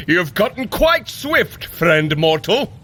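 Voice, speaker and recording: An actor playing a hearty, earnest, slightly dim thunder god, speaking in a grand, formal manner in an audio adventure. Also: male voice, high voice, sing-song, very slow, sharp tone, breathy edge, heavily acted. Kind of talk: dramatised audio adventure for runners.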